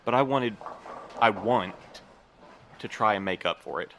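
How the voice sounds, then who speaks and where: Hesitant, low-voiced reluctant translator. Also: male voice, fairly bright tone, slight background noise. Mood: pained, regretful. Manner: hesitant, halting, earnest. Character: weary, guilt-burdened man who translates a forbidden language. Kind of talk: audio drama dialogue.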